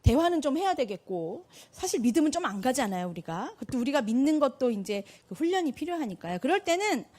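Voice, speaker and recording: A woman giving a lively parenting talk to an audience. She asks the audience questions, answers them herself, and acts out what parents and kids say in quick little voices. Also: sits high, noisy background. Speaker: parenting speaker.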